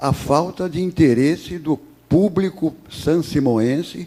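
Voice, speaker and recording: Dark, mellow tone from a male speaker, pitch moving in a normal way. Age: 80s+. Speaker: invited speaker at city council. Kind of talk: public speech.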